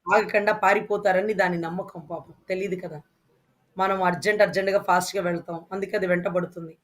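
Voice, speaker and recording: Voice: medium pitch, fairly even intonation, quick pace, fairly bright tone. An interview guest speaking with passion, firing off emphatic rhetorical questions. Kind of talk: impassioned interview talk.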